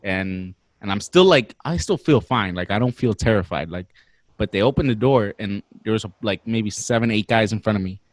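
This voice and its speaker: A man in his twenties casually telling a story on a podcast, animated and slangy, swearing freely. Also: fairly low pitch, normal speed, no room sound. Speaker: podcast guest.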